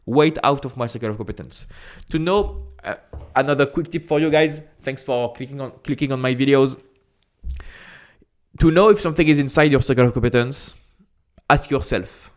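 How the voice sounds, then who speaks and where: A man from France with a strong French accent, talking casually and directly to camera as an investing YouTuber, repeating phrases and often pausing on "uh". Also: mid-range voice. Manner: chatty and direct, repeats phrases, frequent "uh" fillers.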